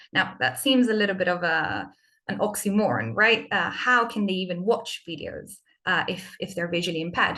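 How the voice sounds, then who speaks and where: Her tone bright and sharp, a woman speaks at a medium pitch with lively intonation. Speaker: webinar presenter. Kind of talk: webinar presentation. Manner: fast.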